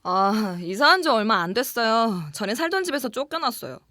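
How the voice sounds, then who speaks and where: An actress playing a young office worker who recounts an eerie experience in a conversational way, in a horror audio drama. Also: female voice, on the high side, dry recording, clean studio sound. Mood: chatty, aggrieved. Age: young adult. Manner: conversational, animated narration with drawn-out murmurs and whispers.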